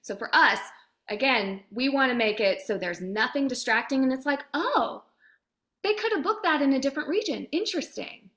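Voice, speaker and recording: Woman, higher-pitched voice, chatty, keen and emphatic, explaining a process in an interview. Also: lively intonation, normal speed, a bit bright. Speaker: voiceover demo producer and director, interview guest.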